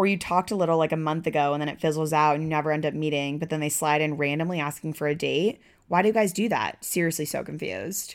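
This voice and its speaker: Speaking at a very fast pace with hardly any pauses, a woman uses a very deep, low pitch and ordinary pitch variation on a very clean recording with a silent background. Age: 20s. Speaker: podcast co-host. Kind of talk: casual chat. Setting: at home in apartment.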